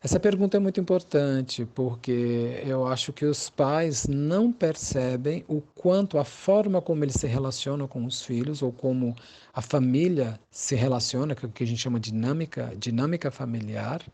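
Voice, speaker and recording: Brazilian guy, mellow voice, psychologist answering interview questions, kinda halting and thoughtful. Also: medium pitch. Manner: thoughtful, halting, searching for words with repetitions. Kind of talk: explanatory interview answers, conversational.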